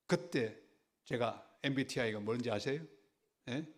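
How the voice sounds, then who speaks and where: An older man preaching a sermon, telling a story in an animated way with dramatic swings in pitch and loudness. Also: measured pace. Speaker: pastor.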